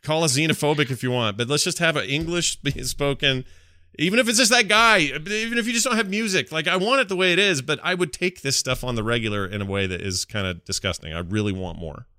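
Bright-voiced man, casual and close to the mic. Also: on the high side, fast talker, no echo. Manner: enthusiastic, slangy, rambling. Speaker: podcast host. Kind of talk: casual gaming podcast chat.

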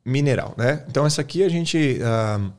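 A man with a Brazilian Portuguese accent, an English teacher explaining his method in a relaxed, colloquial chat, often tagging his sentences with quick questions. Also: medium pitch. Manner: relaxed, colloquial, peppers speech with tag questions.

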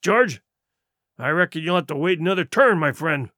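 A man's voice: fairly high pitch, animated, moderate pace, bright, forceful tone, no echo, clean studio sound. A man voicing a cunning old pirate cook. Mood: scornful. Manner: menacing, rough sailor's speech.

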